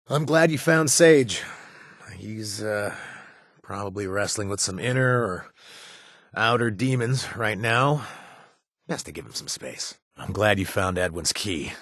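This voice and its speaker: A man's voice: fairly low pitch, fairly bright tone, breathy edge, dry recording, studio quality, full character voice. An actor playing a nervous, wisecracking male raider companion in a video game, who rambles, jokes and corrects himself mid-sentence. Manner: rambling, self-correcting, jokey. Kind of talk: game character voice lines.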